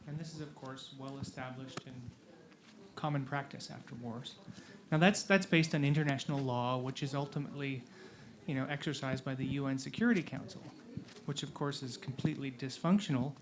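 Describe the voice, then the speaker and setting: A man's voice: mid-range voice, steady tone, brisk, a little hiss or hum. A man putting a question in a discussion in an informal, wry way. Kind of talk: conversational panel question.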